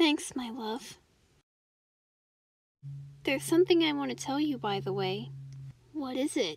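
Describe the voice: Using a cartoonish character voice, a woman speaks at a slow pace in a high pitch with vocal fry, a slightly husky edge and lively intonation.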